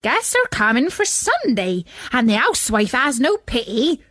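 Woman as a high, indignant storybook cockerel. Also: big pitch swings, normal speed, fairly bright tone, dry recording, clean studio sound. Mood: indignant, alarmed. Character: loud doomed farmyard cockerel, indignant. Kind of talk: children's storybook character voice.

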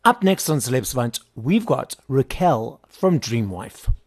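A man's voice: mid-range voice, sing-song, a little slow, dry recording, studio quality. A man hosting an entertainment interview show, moving between scripted introduction and friendly questions. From South Africa. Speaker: podcast host and interviewer.

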